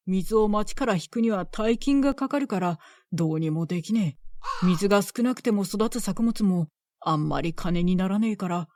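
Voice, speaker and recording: A woman voicing gruff, scornful male village farmers who complain and bully with rough country speech. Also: mid-range voice, dark tone, no echo, clean studio sound, lightly acted.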